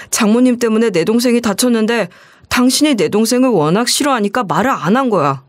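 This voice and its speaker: A woman's voice: on the high side, no room sound, clean studio sound. A woman voicing an angry husband who answers back defensively and indignantly.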